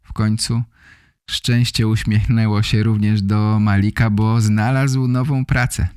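A man hosting a language-learning podcast, speaking in simple, measured, appreciative sentences. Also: lowish voice, flat delivery, a little mellow, smooth, no echo, studio quality. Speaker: podcast host for learners of Polish. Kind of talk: slow, simple scripted talk for language learners.

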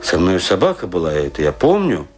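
A man playing a disillusioned, drunken provincial stage actor, self-mocking and brooding, in a theatrical radio drama monologue that rambles with pauses. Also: low-pitched, wildly swooping pitch, music in the background. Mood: befuddled, musing.

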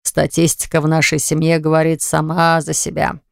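Calm, grudging older grandfather, read by a woman, low and unhurried, dry sound. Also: vocal fry, clear, resonant tone, no echo.

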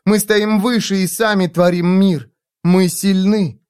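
A man's voice: high voice, steady tone, measured pace, darkish tone, clean tone, pitched above the performer's own voice. A man voicing a blind, proud, vengeful young woman in a dramatic audiobook reading, with an intense, defiant delivery. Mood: fierce.

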